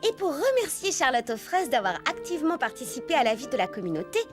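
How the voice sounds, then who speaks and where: A kindly grandmother telling a storybook tale in a cartoon. The voice is high for a woman, and music plays clearly behind it. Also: big pitch swings, fast. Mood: fond, storytelling. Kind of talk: storytelling narration in a children's cartoon.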